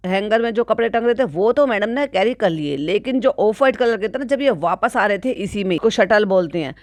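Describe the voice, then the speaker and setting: A woman's voice: medium pitch, expressive, fairly quick, no room sound. Sarcastic woman reaction vlogger. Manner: teasing and sarcastic, with frequent laughs. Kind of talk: mocking reaction commentary.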